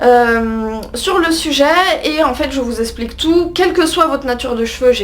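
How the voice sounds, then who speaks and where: Moderate-paced speech from a woman, with noticeable background noise and audible room echo. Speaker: beauty and hair care youtuber. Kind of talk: tutorial. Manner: casual, with many hesitations.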